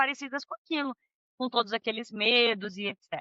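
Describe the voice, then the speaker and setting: A woman with a fairly high voice speaks at a moderate pace, her pitch varying in an ordinary way. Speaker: psychotherapist. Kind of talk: podcast interview chat. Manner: halting, with many restarts.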